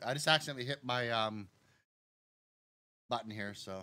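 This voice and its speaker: Loud and bright, with a sharp tone, a man speaks at a medium pitch on a very clean recording with a silent background. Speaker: game development streamer. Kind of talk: live stream coding chat. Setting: home desk with green screen, live stream.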